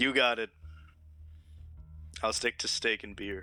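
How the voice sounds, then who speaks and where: A man uses a raspy, put-on character voice. His pitch is medium and his pace moderate. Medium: actual play. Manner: casual, jokey.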